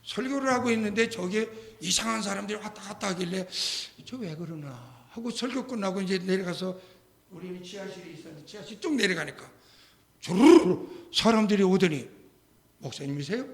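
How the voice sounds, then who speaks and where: An older man preaching a sermon as a pastor, telling a story with lively acted-out dialogue and sudden loud outbursts. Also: high-pitched, fairly quick, gravelly. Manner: animated storytelling, acting out quoted voices, shouting at climaxes.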